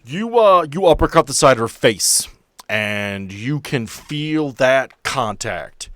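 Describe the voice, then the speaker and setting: A man's voice: medium pitch, lively intonation, slow, a bit bright, dry recording, studio quality. A man acting as game master, casually improvising narration and rulings for a tabletop role-playing game. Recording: music playing behind the voice.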